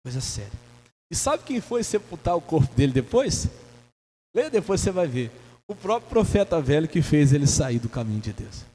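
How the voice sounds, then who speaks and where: A Brazilian man preaching a sermon as pastor. He swings between soft and loud passages and mimics church members in his own voice. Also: on the high side, very animated, moderate pace. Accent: Brazilian Portuguese. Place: church sanctuary. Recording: long church reverb, faint hum.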